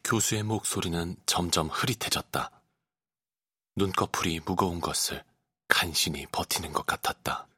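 A male voice actor giving scripted audiobook narration with expressive storytelling, recorded close on a studio mic. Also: sits low, moderate pace, breathy edge, dry recording.

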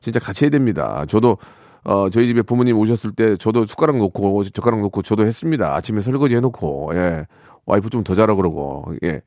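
A man's voice: fairly low pitch, lively intonation, fairly quick, a little mellow, no room sound, studio quality. A middle-aged man hosting a radio show, reading listener messages and joking about them with mock outrage in a casual chat.

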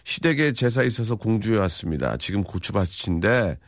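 A man's voice: on the low side, sing-song, moderate pace, no echo, studio quality. A man hosting a live radio show, joking and giving mock-stern warnings to listeners. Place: radio studio.

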